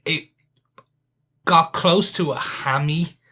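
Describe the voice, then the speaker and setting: Man, bright forceful voice, earnest, podcast co-host, restarts sentences. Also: a little high, slow pace. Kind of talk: casual podcast review chat.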